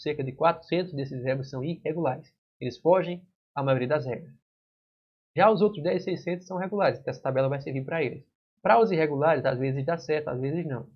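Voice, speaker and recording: A man's voice: mid-range voice, fast talker, slightly rough. A male exam-prep teacher with a Brazilian accent, walking through verb conjugations at a whiteboard and checking in with students. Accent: Brazilian Portuguese. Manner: explains step by step with frequent "certo?" and "né?" checks. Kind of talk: whiteboard grammar lesson. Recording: dull lo-fi classroom recording.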